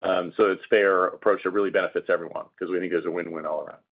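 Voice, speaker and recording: A man speaking as a company executive on an earnings call, explaining answers in a measured, businesslike way. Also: low voice, fairly even intonation. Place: conference call. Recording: narrow phone-line conference call audio.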